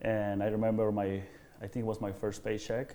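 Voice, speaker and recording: This man has a Spanish accent and a dark, mellow tone at a fairly low pitch. He talks at a moderate pace in a flat monotone. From El Salvador. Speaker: solar sales professional. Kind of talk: podcast interview.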